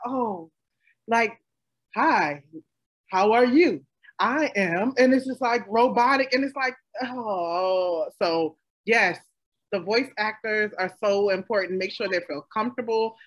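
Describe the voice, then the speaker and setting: A woman with a slight lisp talks in an animated way, acting out what she and others say as she goes. She speaks from experience as a voice actor running her own show. Her pitch is in a middle range. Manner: animated storytelling, acts out quotes. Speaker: voice actor and audio drama creator. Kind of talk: panel discussion.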